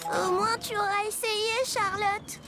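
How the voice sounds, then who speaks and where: A woman playing an excitable, supportive little friend in a children's cartoon dub. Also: very high voice, slow, loud music behind the voice, exaggerated voice. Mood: enthusiastic. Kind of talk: animated children's series dub acting.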